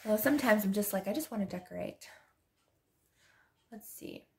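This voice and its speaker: A woman talks casually and softly as she works, often slipping into near-whispers and quick laughs. Her voice is hoarse and fading, with a gravelly, creaky edge on her words. She sits at a medium pitch for a woman. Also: animated. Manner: soft-spoken, drifting into whispers. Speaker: planner and journaling vlogger. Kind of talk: casual chat while decorating a planner.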